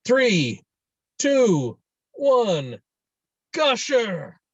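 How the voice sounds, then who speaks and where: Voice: mid-range voice, sing-song, drawn-out words, slightly rough, no room sound, heavily acted. An actor voicing a blustering, domineering middle-aged father in a screenplay table read, over muffled call audio. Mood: boisterous, commanding.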